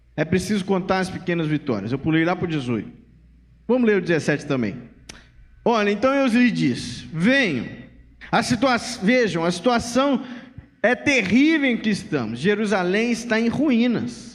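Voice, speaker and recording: Long, frequent pauses break up a man's animated, high-pitched delivery, with very wide pitch swings and audible room echo. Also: moderate pace. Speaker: pastor. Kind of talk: sermon. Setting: church.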